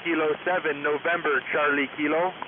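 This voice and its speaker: A man's voice: a little high, level tone, brisk. A male amateur radio operator repeating a phonetic callsign over a shortwave transmission. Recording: narrow shortwave radio with clear static.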